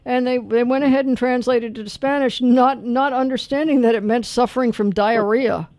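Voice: mid-range voice, fairly even intonation, moderate pace, a little mellow, dry recording. Talk host, chatty, opinionated, dry close-mic sound. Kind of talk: casual chat.

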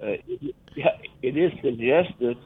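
A man's voice: mid-range voice, wildly swooping pitch, husky, dry recording. German-accented man on a phone line. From Germany, near the Dutch and Belgian border. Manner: halting, many fillers and restarts, laughs often. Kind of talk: casual chat.

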